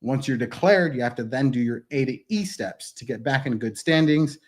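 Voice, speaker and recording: Guy in his 30s, blunt and sweary, mid pitch, desk mic in a studio. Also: normal speed. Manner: blunt, profane, emphatic. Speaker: guest. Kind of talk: casual interview. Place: studio with wood-panel wall.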